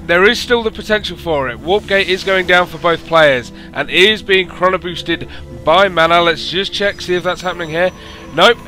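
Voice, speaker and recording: A man, hoarse from losing his voice, hosting and commentating a strategy game by himself and rising to excited announcing at big moments. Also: high-pitched, moderate pace, faint music behind. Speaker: esports caster and show host.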